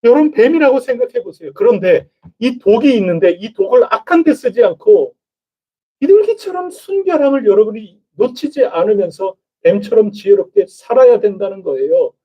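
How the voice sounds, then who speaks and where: Male pastor, sermon, husky, slightly high voice, conversational, muffled lo-fi recording. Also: lively intonation, normal speed. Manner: conversational, chatty, addresses congregation directly. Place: church sanctuary. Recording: dull lo-fi church recording.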